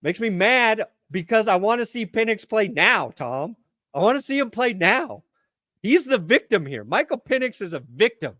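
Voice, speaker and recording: A man with a notably high voice rants bluntly as a sports co-host. The sound is dry and close, and his talk is casual and profane. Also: very animated, normal speed, bright, forceful tone, no room sound.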